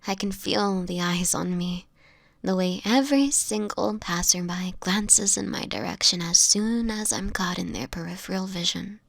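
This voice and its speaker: An actress voices a sickly homeless vampire woman for an intimate audio drama. Her voice is soft and crackles with fry, often sinking into a whisper. She speaks haltingly in courteous, old-fashioned phrases, gentle yet guarded and sad, recorded close and dry. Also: medium pitch, no room sound. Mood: sorrowful, weary. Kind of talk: intimate audio roleplay acting. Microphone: close microphone, dry.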